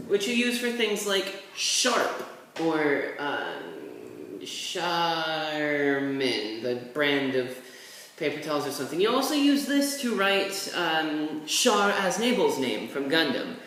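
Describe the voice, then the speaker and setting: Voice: mid-range voice, very animated, slow, fairly bright tone, recorded from a distance. A person giving a laid-back, rambling tutorial while writing characters, with offhand asides. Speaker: language tutor. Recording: very echoey room, voice set back from the mic, faint hiss.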